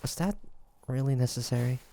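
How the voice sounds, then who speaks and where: A man's voice: medium pitch, a little fast, creaky, dark tone, slight background noise, lightly acted. A man playing a curious, teasing demon hunter in an audio roleplay, talking to the listener in a hesitant, conversational way. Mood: hesitant, puzzled. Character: male demon hunter traveler, curious, teasing, softly tsundere. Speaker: voice actor.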